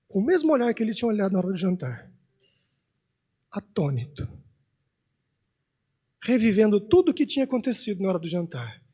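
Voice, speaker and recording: High-voiced man telling a heartfelt story. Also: slightly rough. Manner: heartfelt, swings from hushed to loud. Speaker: speaker at a Spiritist congress. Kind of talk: emotional personal storytelling lecture. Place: conference hall stage.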